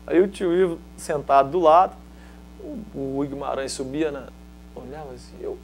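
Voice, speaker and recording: A middle-aged Brazilian man with a Mineiro accent spins football stories in a relaxed interview, sitting a bit high in his register. He slips into the voices of the people in his tales. A faint hum runs underneath. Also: normal speed. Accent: Mineiro Brazilian Portuguese. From Minas Gerais, Brazil. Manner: lively storyteller who acts out other people's lines. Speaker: former footballer, interview guest. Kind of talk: casual anecdote in an interview.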